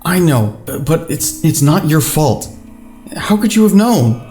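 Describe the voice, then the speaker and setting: A woman's voice: low voice, sing-song, measured pace, warm tone, a little hiss or hum. An actress playing a wry, skeptical woman confidante in a naturalistic audio drama, probing yet supportive. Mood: reassuring.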